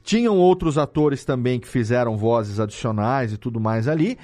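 A Brazilian man talking casually as an interviewed audio editor, explaining things in an animated way with rhetorical questions. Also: medium pitch, moderate pace. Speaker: audio drama editor and podcast guest.

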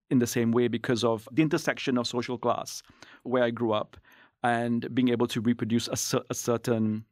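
A man from Singapore, an anthropologist, giving thoughtful, measured answers in an interview. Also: medium pitch, no echo, clean studio sound. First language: English. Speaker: guest, anthropologist. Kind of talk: reflective interview talk.

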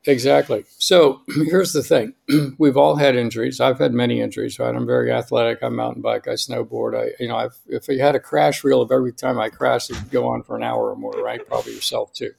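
An American man in his sixties speaking as a podcast guest in a conversational, emphatic way, often checking in with a quick "right?". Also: medium pitch, vocal fry, a little mellow, breathy edge. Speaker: podcast guest, longevity doctor. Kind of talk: conversational interview, personal anecdotes.

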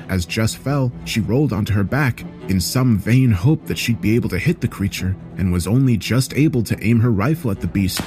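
A man reading a scripted horror story in a measured, serious way, as a storyteller. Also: medium pitch. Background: background music.

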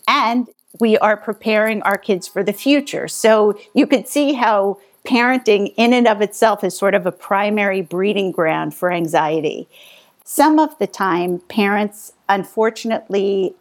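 Woman guest, thoughtful and explanatory, medium voice. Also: medium pitch. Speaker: author and psychologist guest. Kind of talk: conversational interview.

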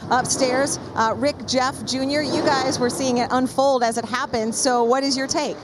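A woman hosting from trackside in the pits, brisk and steering the discussion. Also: high-pitched, steady tone, background noise. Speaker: pit reporter host. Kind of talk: broadcast hosting. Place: trackside pit area.

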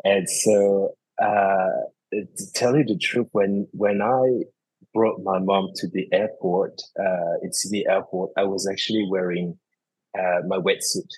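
Deep, flat-voiced man telling stories. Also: breathy edge, no room sound, low-quality recording. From France. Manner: halting, many fillers and restarts. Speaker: podcast guest, cooking school founder. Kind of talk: casual interview storytelling.

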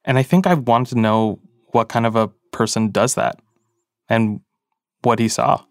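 A man's voice: medium pitch, steady tone, unhurried, no room sound, studio quality. A man, a podcast producer, narrating a story in a casual, reflective way with frequent fillers.

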